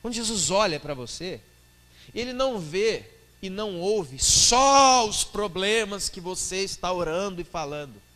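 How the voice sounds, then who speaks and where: A man's voice: sits high, animated, a little slow, sharp tone. A male pastor with a Brazilian Portuguese accent preaching a colloquial sermon, often acting out dialogue.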